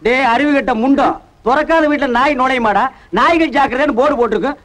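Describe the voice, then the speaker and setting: Squeaky rapid-fire show-off who roasts everyone, old tamil movie comedy. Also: male voice, fairly bright tone. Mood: mocking. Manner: mocking, insulting wordplay. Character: boastful, mocking man who claims to be a learned scholar. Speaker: comic visitor looking for a house. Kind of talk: 1980s Tamil film comedy dialogue.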